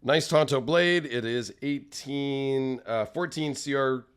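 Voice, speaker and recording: A man talks casually straight to camera, his voice a touch raspy and tired after a long trip. He rambles along in a friendly, self-deprecating way at an ordinary mid pitch. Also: slow pace. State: slightly raspy, tired from travel. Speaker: knife channel host. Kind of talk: casual solo vlog.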